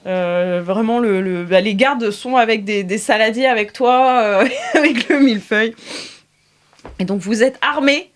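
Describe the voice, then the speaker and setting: A woman's voice: a little high, a little slow. A woman running an improvised tabletop game as game master, narrating casually and hesitantly in a studio. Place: recording studio. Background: music.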